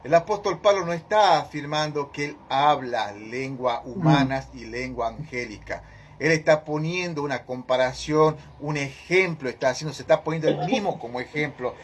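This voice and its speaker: A man's voice: a little high, normal speed, a little hiss or hum. A man leading a Bible study, teaching emphatically and questioning his listeners directly.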